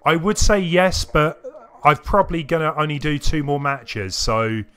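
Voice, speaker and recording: A man's voice: on the high side, lively intonation, a little slow, bright, forceful tone, clear, resonant tone. A man live-streaming a video game, chatting casually and a little ramblingly with his viewers. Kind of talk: casual livestream chat to viewers. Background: music playing behind the voice.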